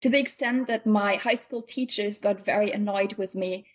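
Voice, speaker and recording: A woman's voice: mid-range voice, fairly even intonation, moderate pace. A young woman from Germany, a scientist guest answering interview questions modestly and thoughtfully. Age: young adult. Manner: modest, thoughtful, laughs often. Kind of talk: podcast interview.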